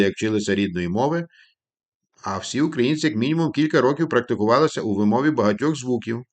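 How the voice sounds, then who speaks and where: Animated male language teacher. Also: on the low side. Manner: slows right down to model English phrases; addresses listeners playfully as kids. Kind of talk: instructional monologue.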